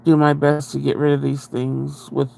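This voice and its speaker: A man talks in a loose, rambling livestream chat with a stuffy, congested nasal tone. His voice sits a little high and carries a gravelly, fry-heavy texture. He speaks right up against the microphone, so his breaths are audible. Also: monotone, normal speed, a little mellow. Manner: chatty, rambling, greets viewers. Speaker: livestream host. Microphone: very close to the microphone, breathing audible.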